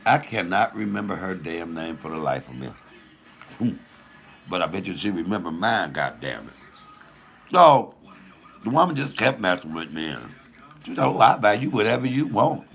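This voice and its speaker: A deep, gravelly male voice with lots of swing in his pitch. He tells a raunchy story in a loose, profane way, laughing at his own punchlines as he goes. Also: very animated, normal speed, long pauses, a bit bright. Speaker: comedian host. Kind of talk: casual storytelling.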